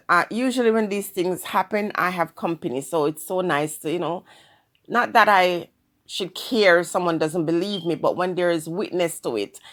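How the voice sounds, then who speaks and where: A woman with a Jamaican accent hosting her own channel, talking earnestly and in a measured way straight to her viewers. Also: fairly low pitch. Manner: earnest, measured, speaks of spiritual guidance. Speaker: channel host. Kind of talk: solo commentary to camera.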